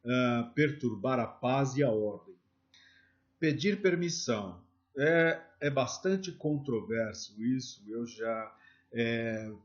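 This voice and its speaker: A man's voice: medium pitch, darkish tone, highs cut off. A man with a Brazilian Portuguese accent teaching a sales lesson, speaking straight to viewers and walking through examples. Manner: instructive, addresses viewers directly with examples. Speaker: sales trainer.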